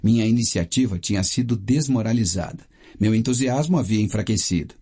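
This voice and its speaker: A man with a Brazilian Portuguese accent reading a first-person audiobook in a steady, measured way. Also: lowish voice, husky. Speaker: audiobook narrator.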